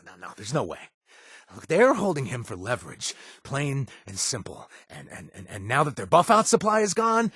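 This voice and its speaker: An actor playing a wry, hesitant former raider in a video game, with a husky voice and lots of fillers. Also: male voice, on the high side, a bit bright, no room sound, clean studio sound, full character voice. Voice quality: husky, punning, easygoing. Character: wry former raider man, trying to stay clean. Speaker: companion character.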